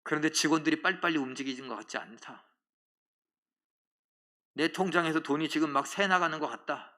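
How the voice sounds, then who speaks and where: A man's voice: a little high, brisk, sharp tone. A male pastor preaching a sermon, telling a story and asking the congregation questions. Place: church.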